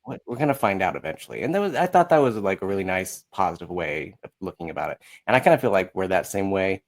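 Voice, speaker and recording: A man in his thirties with a slightly low voice. He chats casually as a guest, wandering through his thoughts and slipping into quoted bits of dialogue. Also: very animated, fast talker. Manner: rambling, often quotes himself and others in dialogue. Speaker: podcast guest, musical writer. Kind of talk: casual chat.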